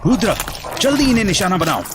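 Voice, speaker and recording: Urgent high-voiced priest. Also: male voice, sing-song, quick pace. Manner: urgent, commanding. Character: urgent, protective priest leading people to safety. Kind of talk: horror audio drama acting. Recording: loud dramatic music behind.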